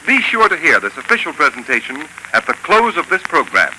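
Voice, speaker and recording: An emphatic male announcer reads a 1930s radio sponsor spot and program intro. His voice is very bright and rises and falls a lot, slightly raised in pitch. Faint hiss of an old broadcast recording runs behind him. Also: very animated, a little fast, poor audio. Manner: emphatic, declamatory.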